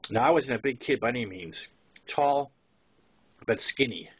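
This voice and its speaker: A man in his sixties with a Boston accent narrates a memoir in a mid-pitched voice. He tells it conversationally, like an author reading his own work with casual asides. The recording is dull and lo-fi. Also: lively intonation, moderate pace, husky. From Massachusetts, US. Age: 60s.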